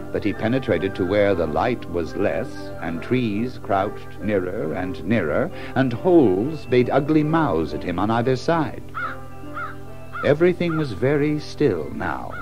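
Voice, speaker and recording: A man's voice: fairly low pitch, big pitch swings, measured pace, over music. A man narrating a children's story in a theatrical, suspenseful manner. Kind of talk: dramatic scripted storytelling.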